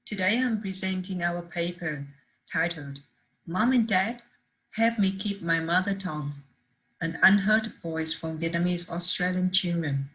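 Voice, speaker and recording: A woman's voice: lowish voice, unhurried, a bit bright, poor audio. A woman presenting a research paper at a conference, reading steadily from prepared slides with the odd restart.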